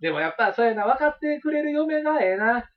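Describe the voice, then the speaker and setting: Animated, high-pitched Kansai man chatting. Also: quick pace, lo-fi sound, slight background noise. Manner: rambling, emphatic, repeats himself. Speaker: radio talk show host. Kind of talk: casual chat.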